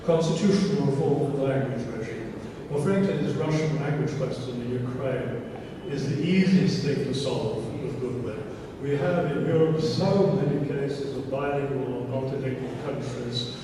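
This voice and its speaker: A man's voice: mid-range voice, moderate pace, hardly any pauses, noisy background. A middle-aged man from Belgium speaking at a panel discussion, emphatic and blunt, with frequent fillers. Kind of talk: policy discussion talk. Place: large conference hall. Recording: echoey hall, picked up from far off.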